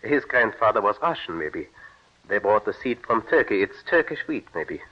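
A pious immigrant farmer speaks plainly and formally. His voice sits a little low. The sound is dull and lo-fi, like an old radio broadcast. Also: very animated, normal speed, husky. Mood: earnest. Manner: earnest, plain-spoken, formal. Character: devout Mennonite immigrant farmer, middle-aged man. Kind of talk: 1940s radio acting.

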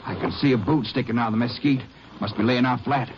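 A man's voice: medium pitch, fairly even intonation, fast, lightly acted. A man playing a plain-spoken, eager Texas Ranger sidekick with an in a 1950s radio drama. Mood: low, wary. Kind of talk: 1950s radio western acting. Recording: muffled, noisy 1950s radio recording.

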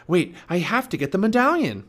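An earnest young boy on a storybook adventure, played by a male reader. He exclaims eagerly, his voice raised high and bouncing with excitement. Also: a little fast, exaggerated voice. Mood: excited. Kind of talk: children's audiobook character voice.

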